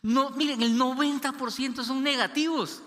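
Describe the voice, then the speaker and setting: A man preaching a sermon as pastor, animated, acting out quoted voices and dropping low and quiet for serious stories. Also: moderate pace. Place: church hall. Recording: long church reverb.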